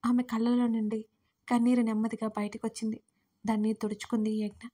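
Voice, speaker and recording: A woman narrates a romantic audio story in a steady, dramatic reading. Her voice sits on the high side. Her melody stays notably flat and even. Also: fairly quick, husky.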